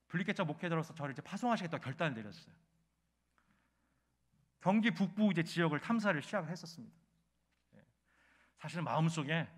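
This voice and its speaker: A middle-aged man preaching in a church, with a fairly high voice. He tells his story and keeps asking the congregation questions, swinging from quiet asides to loud, ringing pleas. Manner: storytelling preacher who asks the congregation questions and surges loud when emotional. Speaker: pastor. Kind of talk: sermon. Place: church sanctuary.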